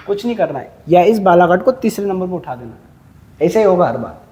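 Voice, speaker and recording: A man's voice: high-pitched, very animated, moderate pace, background noise. A man teaching a classroom lecture, quizzing students and drilling numbers through repetition.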